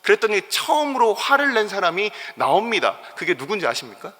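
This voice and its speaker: Male pastor, bright voice, lively sermon delivery, long hall reverb. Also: a little fast. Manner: animated, acts out quoted complaints with rising pitch and volume. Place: church sanctuary.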